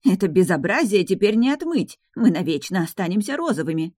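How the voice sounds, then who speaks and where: A woman's voice: mid-range voice, big pitch swings, brisk, a little mellow, no echo, clean studio sound, voice pushed up. A woman voicing a stern older nanny who scolds and lectures in a reproachful tone, in a fantasy audiobook. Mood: scolding.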